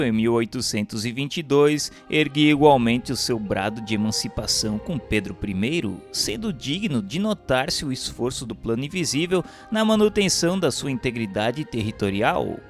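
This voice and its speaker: A man reads a scripted book narration in a solemn, formal manner with emphatic phrasing. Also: mid-range voice. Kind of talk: scripted audiobook-style narration of a book chapter. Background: music under the voice.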